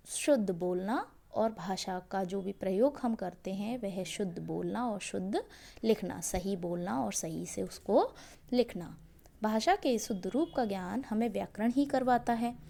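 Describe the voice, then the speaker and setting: A woman's voice: mid-range voice, creaky, mellow. A woman teacher giving a grammar lesson, asking each point back as a question and then answering it, stressing key words. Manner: slow and deliberate, stressing words. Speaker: school teacher.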